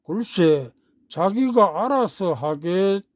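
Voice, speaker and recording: A man voicing a slow calm country uncle. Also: sits high, no echo, studio quality. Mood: hesitant. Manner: slow, deliberate, measured.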